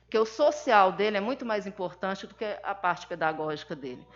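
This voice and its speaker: Speaking with a Brazilian Portuguese accent, a woman whose son is autistic delivers an indignant, emphatic testimony at a seminar, performing the conversations she recounts. She talks fairly quickly in an expressive, medium-pitched voice, captured in a dull lo-fi recording.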